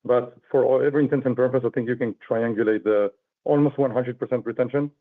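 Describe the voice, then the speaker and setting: Man, average pitch, company executive, unscripted earnings call answers, phone-like audio. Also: steady tone, fast talker. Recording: narrow phone-like conference call line.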